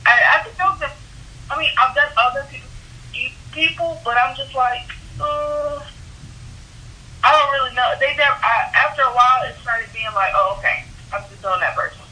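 A young woman from Houston, a henna artist telling stories in a casual interview, animated and laughing often. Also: sits high, poor audio. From Houston, Texas. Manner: animated storytelling, quick laughs.

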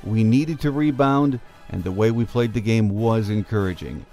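A man's voice: lowish voice, moderate pace, dark tone, soft background music. Earnest man hosting a sports podcast. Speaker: podcast host. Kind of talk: scripted podcast intro and commentary.

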